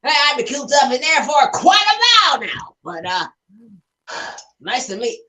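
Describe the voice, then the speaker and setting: A woman's voice: high-pitched, very animated, normal speed, sharp tone, full character voice. A woman voicing a chirpy, vain young man who boasts that he is the cute and smart one.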